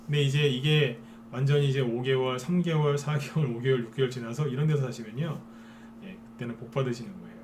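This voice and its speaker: A man's voice: mid-range voice, quick pace, a little mellow, a little hiss or hum. A man giving a live stock trading lecture as a broadcaster, persuading viewers and often asking them to agree.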